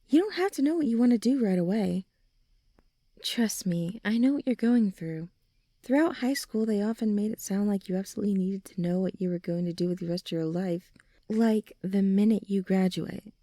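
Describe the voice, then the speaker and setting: A young woman playing a supportive teenage girl in an ASMR roleplay, talking gently and informally as a caring best friend. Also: mid-range voice, lively intonation, moderate pace, no room sound, studio quality, natural voice. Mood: reassuring. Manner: gentle, reassuring, informal, often sighing or softly laughing. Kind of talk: ASMR roleplay audio drama.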